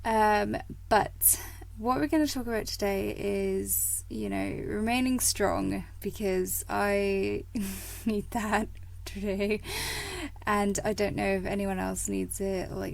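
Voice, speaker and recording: A woman hosting a motivational podcast in a casual, rambling way, full of fillers and little laughs, her voice croaky from a coming cold. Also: mid-range voice, steady tone, takes it slowly. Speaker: podcast host.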